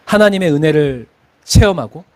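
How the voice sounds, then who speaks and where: Lively high-voiced Korean pastor preaching. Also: male voice, moderate pace. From Chungcheong, Korea. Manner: expressive preaching, sings hymn lines, laughs while telling stories. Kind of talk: sermon.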